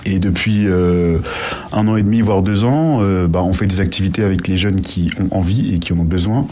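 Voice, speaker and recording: Male, low voice, youth worker in an informal interview, hesitant and halting. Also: mellow, slight background noise. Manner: hesitant, halting with long pauses.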